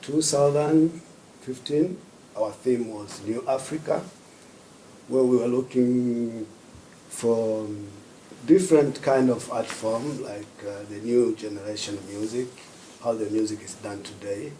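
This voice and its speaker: A man from Tanzania, speaking unhurriedly as a panelist at a symposium and pausing often to find his words. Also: mid-range voice, warm tone. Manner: unhurried, searching for words with many pauses. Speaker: panelist, festival director. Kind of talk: panel discussion talk. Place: symposium hall. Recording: roomy hall with background noise.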